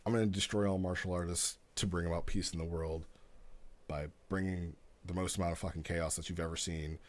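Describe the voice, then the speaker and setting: A man's voice: low voice, steady tone, fairly quick, close to an everyday voice. A man playing a selfish martial-arts villain from a roleplay, ruled by violent impulse, blunt and casually menacing. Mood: grandiose.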